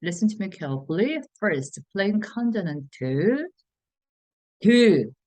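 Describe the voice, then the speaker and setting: A woman with a Korean accent, a native Korean speaker, teaching a language lesson slowly, pausing on fillers and restarting her sentences. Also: medium pitch, sing-song, a little mellow, no echo. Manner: hesitant, many "uh" fillers and restarts. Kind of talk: slow explanatory lesson for learners.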